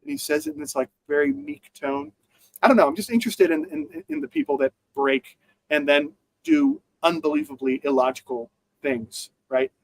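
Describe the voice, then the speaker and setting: Guy rambling thru news on a podcast, lots of uh and like, kinda high voice, dry close sound. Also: big pitch swings, normal speed, no room sound, rough recording. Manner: rambling, many fillers and restarts. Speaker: podcast co-host. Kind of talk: casual news chat.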